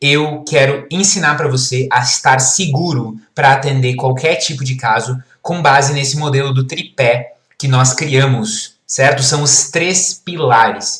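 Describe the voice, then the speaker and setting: A man speaks at a fairly slow pace in a fairly high pitch, with ordinary pitch variation. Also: hardly any pauses. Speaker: psychology teacher. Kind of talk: live online lecture. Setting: YouTube livestream. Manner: animated.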